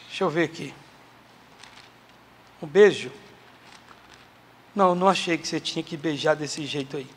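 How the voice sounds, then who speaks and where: A man's voice: on the high side, slight background noise. A man with a Brazilian accent preaching a sermon in a church, emphatic and repetitive, acting out little dialogues. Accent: Brazilian Portuguese. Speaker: pastor. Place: large church hall. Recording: long church hall reverb.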